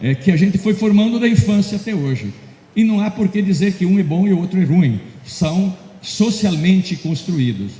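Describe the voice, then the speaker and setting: A man's voice amid noticeable background noise. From southern Brazil (Rio Grande do Sul). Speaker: education professor. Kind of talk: keynote lecture. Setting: conference hall with audience. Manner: hesitant, many fillers and repetitions.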